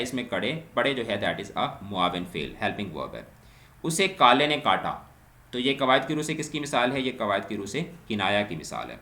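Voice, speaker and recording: A man with a bright, forceful voice teaches an exam-prep grammar lesson. He poses each question, answers it himself and keeps checking that the class follows. The sound is roomy and echoey. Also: mid-range voice. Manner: asks a question, then answers it, adding "theek hai?" and English terms. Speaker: Urdu teacher. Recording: echoey room.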